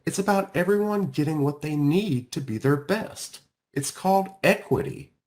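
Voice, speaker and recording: A man playing a kindly, patient male school counselor in a storybook, speaking in a gentle, explanatory way. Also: fairly high pitch, moderate pace, voice pushed up, natural voice.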